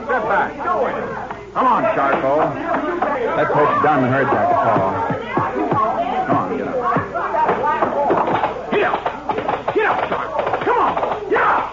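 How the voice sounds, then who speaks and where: A man's voice: on the high side, wildly swooping pitch, a little slow, long pauses, a loud crowd. An actor playing a steely, commanding Texas Ranger lawman in a 1950s radio western drama. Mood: urgent. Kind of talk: 1950s radio drama acting and first-person narration. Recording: dull vintage 1950 radio recording, music.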